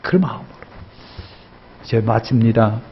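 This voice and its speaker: A male pastor preaching a sermon with emphatic repetition, his voice swelling in pitch and loudness as he presses his points. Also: a little slow, dull audio, a little hiss or hum.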